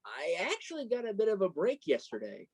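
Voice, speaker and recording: A woman's voice: mid-range voice, wildly swooping pitch, a little fast, a little mellow, husky. A woman playing a supportive, self-deprecating young male journalist and best friend in a staged reading of a play. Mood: nervous excitement.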